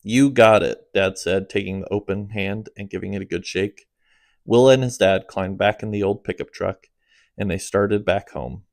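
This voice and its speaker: A man voices his own comic audiobook, fairly low and gravelly, keeping a moderate, steady storytelling pace and letting his voice fall at phrase ends. The audio is close and dry, without room sound or echo.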